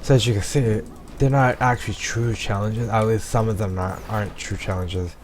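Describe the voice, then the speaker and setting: A man with a low voice talks through his gameplay in a loose, rambling way, often restarting his sentences. His voice is going hoarse, and faint noise sits under the recording. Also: steady tone, normal speed. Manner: rambling, frequent ums and restarts. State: losing his voice. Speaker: gameplay commentator. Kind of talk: casual let's-play commentary.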